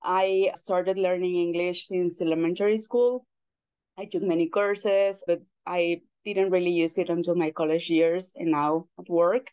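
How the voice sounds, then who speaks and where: Lowish-pitched woman with a Mexican accent. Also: fairly even intonation, measured pace, darkish tone, clean tone. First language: Spanish. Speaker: panelist. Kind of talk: sharing a personal story.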